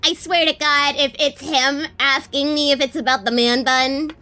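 A woman playing a tabletop role-playing game, making quick, lively remarks in casual chat. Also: sits high, faint music behind. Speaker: player.

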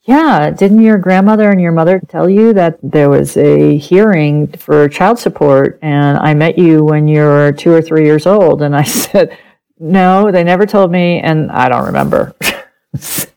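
A middle-aged woman whose first language is German, a podcast guest telling a personal story with lively laughter and acted-out quotes. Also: deep voice, unhurried, creaky, smooth, low-quality recording. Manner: animated, laughs often, acts out quoted speech.

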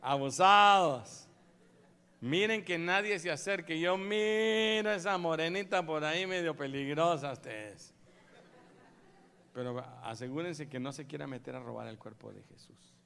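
A man preaching a dramatic sermon as a pastor, acting out scenes and jumping from shouts to hushed lines. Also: fairly high pitch, normal speed, creaky, clean tone. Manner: acts out scenes, shouts exclamations, swings between loud and hushed.

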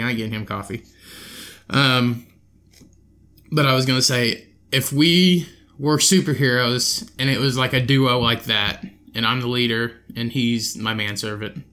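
A man's voice: medium pitch, pushed and bright. Profane rambling man hosting a podcast. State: congested nose. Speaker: podcast host. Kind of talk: solo podcast rant.

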